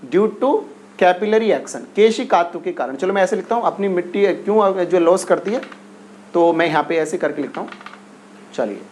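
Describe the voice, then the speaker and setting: High-voiced coaxing male teacher. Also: lively intonation, a little mellow, a little hiss or hum. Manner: repetitive, coaxing, drills questions and urges quick answers. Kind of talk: exam-prep classroom lesson.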